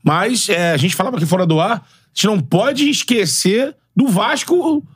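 A man's voice: sits high, lively intonation, normal speed, husky. A man co-hosting a podcast interview, casual and thinking aloud as he talks. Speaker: podcast co-host.

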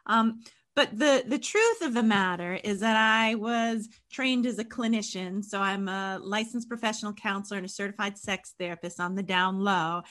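A woman's voice: medium pitch, a bit bright. A middle-aged woman talking conversationally as a coach being interviewed on a podcast. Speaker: podcast guest, sexual empowerment coach.

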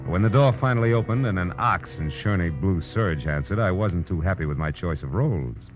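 An actor playing a wry, hard-boiled private detective in a 1940s radio drama, dry, laconic and unflappable. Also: male voice, low-pitched, expressive, fairly quick. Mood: dry narration. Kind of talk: 1940s radio acting, noir first-person narration and dialogue. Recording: dull old radio recording with music.

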